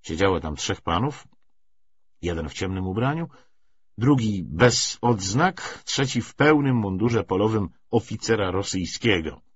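A man reading literary narration for an audiobook in an expressive, measured storytelling way. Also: on the low side, breathy edge. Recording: dull, muffled lo-fi recording.

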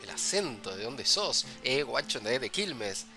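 Argentine rioplatense man, podcast co-host, very bright tense voice, loose joking chat, faint music behind. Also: medium pitch, very animated, a little slow. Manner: loose, joking, peppers talk with "viste". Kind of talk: casual chat.

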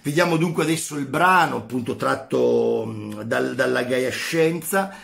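Gravelly male philosophy teacher. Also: medium pitch, measured pace, a bit bright. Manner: emphatic, repeats phrases for stress. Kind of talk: video lesson.

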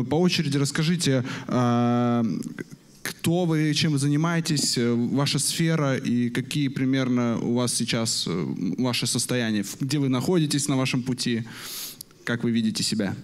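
A man in his twenties moderating a live panel as host, politely and with some hesitation. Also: medium pitch. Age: 20s. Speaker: talk show host. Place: stage in a church hall. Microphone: handheld microphone.

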